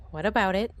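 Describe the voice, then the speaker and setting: A woman's voice: medium pitch, a little hiss or hum, natural voice. An actress playing a troubled, guarded woman with no memory who senses danger, in an audio drama. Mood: subdued. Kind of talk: audio drama acting with first-person narration.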